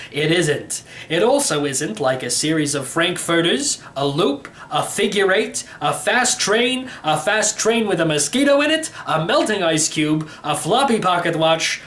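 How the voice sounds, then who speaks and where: Guy doing a cheerful oddball old uncle from a storybook, rambles on matter of fact, really lively pitch swings. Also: exaggerated voice. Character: eccentric, cheerful elderly uncle, unflappable time traveler. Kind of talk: storybook character reading.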